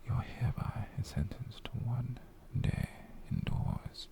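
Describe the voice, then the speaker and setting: Male actor as British yandere lover, ASMR roleplay: slow half-whisper, coaxing, theatrical, clingy and quietly menacing. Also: medium pitch, fairly even intonation. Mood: teasing, possessive. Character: possessive, doting, menacingly sweet yandere boyfriend.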